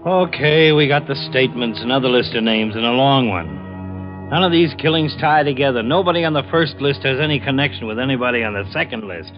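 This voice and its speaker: An actor playing a harried, blunt police lieutenant with an American accent in an old radio crime drama. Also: male voice, medium pitch, expressive, a little fast, over music, natural voice. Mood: frustrated. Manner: terse, blunt. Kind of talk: 1940s-50s radio crime drama acting. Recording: dull old radio recording.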